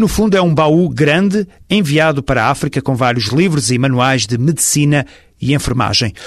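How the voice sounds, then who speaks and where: A man with a fairly high pitch uses an ordinary speaking voice. He keeps a moderate pace with ordinary pitch variation. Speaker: radio magazine host. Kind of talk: scripted narration. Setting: studio. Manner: formal.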